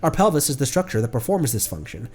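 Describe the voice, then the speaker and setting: A man voicing an earnest, pedantic academic who lectures in a halting way. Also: mid-range voice, sing-song, darkish tone, soft background music, lightly acted. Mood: earnest, lecturing. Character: earnest, pedantic young academic of marine bones.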